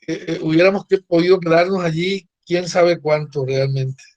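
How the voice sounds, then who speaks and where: A man, a writer guest on a video call, speaking slowly and hesitantly with many fillers. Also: fairly high pitch, darkish tone, no room sound, dull audio. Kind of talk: casual video-call chat.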